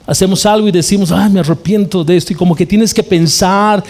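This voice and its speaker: A man's voice: high-pitched, fairly even intonation, a little fast, darkish tone. A male pastor from Bolivia preaching a sermon, telling a story and acting out short quoted exchanges.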